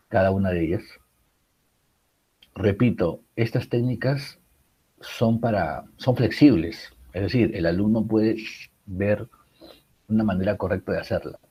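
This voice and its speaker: Low husky male teacher lecturing. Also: a little slow, long pauses, dark tone, poor audio. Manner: explanatory, many rhetorical questions and fillers. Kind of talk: recorded class lecture.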